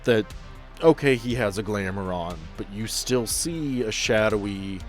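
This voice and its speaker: A man with a fairly low voice runs a tabletop roleplaying game as its game master, describing things to his players. Background music plays clearly under his narration. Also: a little slow.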